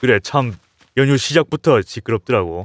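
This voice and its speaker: The man's medium-pitched voice comes through a very clean recording with a silent background and a dry, close sound with no echo. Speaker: gaming YouTuber. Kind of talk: casual vlog monologue. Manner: low-energy, weak voice; halting.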